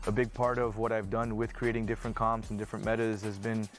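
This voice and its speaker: Man, head coach, lowish flat voice, measured answers, faint music behind. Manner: measured, steady, with fillers. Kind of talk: interview answer.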